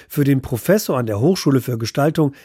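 A male reporter narrating a scripted news feature in a measured way. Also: medium pitch, animated, mellow, slightly rough, dry recording, studio quality. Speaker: radio reporter.

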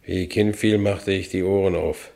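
A man's voice: low voice, fairly even intonation, normal speed, gravelly, warm tone. An actor playing a haunted working-class Berlin man who recounts his past bitterly in a radio drama, with a Berlin accent. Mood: haunted, brooding. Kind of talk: radio drama first-person narration.

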